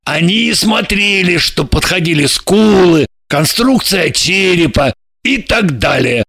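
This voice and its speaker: A man playing a gruff irritable male handler. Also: high voice, animated, measured pace, exaggerated voice. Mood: explaining. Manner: blunt, impatient, gravelly and shouting. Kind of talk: audiobook character reading.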